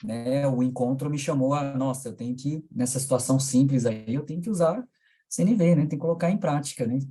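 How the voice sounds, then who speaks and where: Husky man, mellow voice, hesitant study-group participant. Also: medium pitch, brisk. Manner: hesitant, tags with "né". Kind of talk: casual chat in an online study group.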